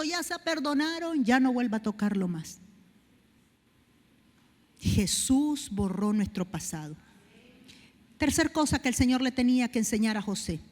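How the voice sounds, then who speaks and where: Fervent woman preacher in a reverberant hall. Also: sits high. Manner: builds to loud fervent declarations. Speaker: pastor. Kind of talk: sermon.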